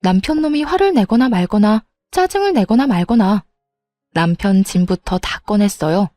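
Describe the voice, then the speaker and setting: A woman's voice: medium pitch, mellow, no echo. A woman narrating a personal story in a bitter, matter-of-fact way.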